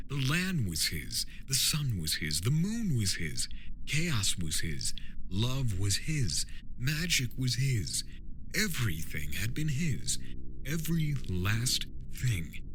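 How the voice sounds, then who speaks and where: A man's voice: mid-range voice, a little hiss or hum. A man reading a story aloud as narrator, in a theatrical, emphatic dramatic style. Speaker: narrator, amateur story reader. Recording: loud music behind the voice.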